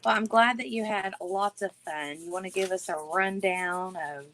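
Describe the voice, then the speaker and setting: Casting: woman co-host, mid-pitched, supportive and encouraging, faint noise under her. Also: moderate pace, fairly bright tone. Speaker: guest co-host. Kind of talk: casual livestream chat.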